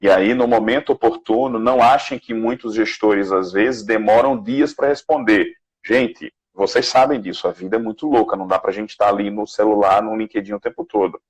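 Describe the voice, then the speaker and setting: A man with a Brazilian Portuguese accent, a guest sales manager on a live video call, giving animated career advice and acting out sample messages. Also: normal speed, few pauses, slightly rough, poor audio. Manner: animated, acts out sample messages with rising pitch. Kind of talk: live online career chat.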